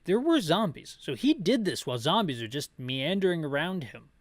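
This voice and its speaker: A man describes a video game in a casual, rambling way. His voice sits a little high and is recorded dry. He mixes plain description with wry personal opinions. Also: sing-song, moderate pace, no room sound. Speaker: video game playthrough narrator.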